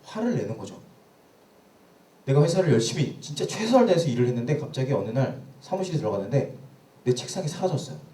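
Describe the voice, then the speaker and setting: Lively-voiced pastor preaching in a roomy hall. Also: male voice, medium pitch, fast talker, distant mic. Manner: conversational preaching with rhetorical questions. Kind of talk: sermon. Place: church sanctuary.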